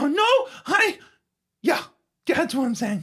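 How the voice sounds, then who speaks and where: A man doing a put-on character voice speaks at an extremely high pitch, fairly slowly, with very wide pitch swings. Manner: upbeat.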